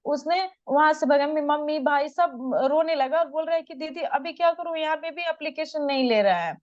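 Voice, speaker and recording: A woman's voice: high voice, moderate pace, dry recording, highs cut off. A young woman from Bihar giving an urgent, distressed account in an interview, often addressing the interviewer as sir. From Bihar, India. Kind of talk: emotional testimony in an interview.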